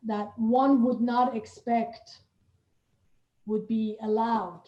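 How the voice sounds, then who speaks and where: A woman's voice: on the high side, flat delivery, slow. A woman hosting a conversational interview, heard muffled and echoey from a distance. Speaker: interview host.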